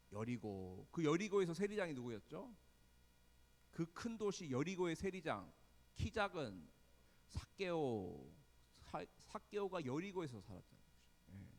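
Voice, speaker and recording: A man with a fairly high voice leads a Bible study as a pastor. His pitch rises and falls in big sweeps as he quizzes the people in front of him. A long reverb trails his words through the hall. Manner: lively, quizzes the congregation with questions.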